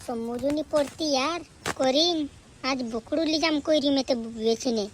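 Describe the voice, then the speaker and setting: A stubborn farmer dad from a cartoon comedy, played by an actor, pitched very high. The speech has a rural Madhya Pradesh tribal accent. Some noise sits behind the voice. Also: a little slow. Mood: complaining. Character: village farmer father selling a goat at market, haggling stubbornly.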